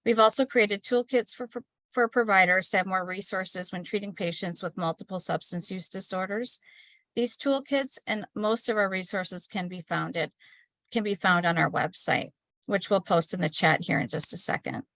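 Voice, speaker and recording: A woman's voice: medium pitch, normal speed, gravelly, dry recording. Woman hosting a webinar, dry close sound. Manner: scripted, steady delivery with small slips. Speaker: webinar host. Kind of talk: reading announcements and introduction.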